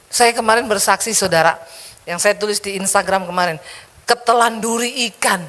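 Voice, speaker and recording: A woman pastor preaching, telling a personal testimony in an animated, storytelling manner. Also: medium pitch, moderate pace. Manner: animated storytelling, vivid sound effects. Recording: echoey hall reverb.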